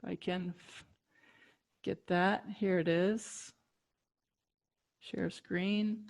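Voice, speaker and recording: A woman's voice: lowish voice, drawn-out words, vocal fry. A woman teaching saxophone on a video call, explaining at an easy pace with ums and restarts. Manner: relaxed explaining with fillers and restarts. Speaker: saxophone instructor. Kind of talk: online music lesson.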